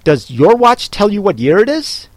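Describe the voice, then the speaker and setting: A man voicing a fussy, contrary hatter who grumbles and talks down to others in quick bursts. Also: sits high, very animated, no room sound, pitched above the performer's own voice. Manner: grumbling, contemptuous, quick talker.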